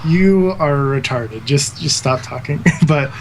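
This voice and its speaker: A man's voice: medium pitch, expressive, slow, slight background noise, low-quality recording. A man in his thirties, a guest esports caster, talking earnestly in a casual podcast interview, with lots of fillers. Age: 30s. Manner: earnest, rambling with many fillers.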